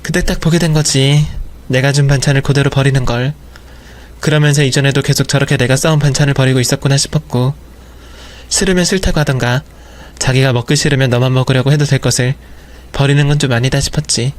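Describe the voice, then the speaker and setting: A man voicing an apologetic older mother confessing to her son in a slow, regretful manner. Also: medium pitch, steady tone, natural voice. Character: apologetic older mother-in-law, soft-spoken. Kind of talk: audio drama storytelling.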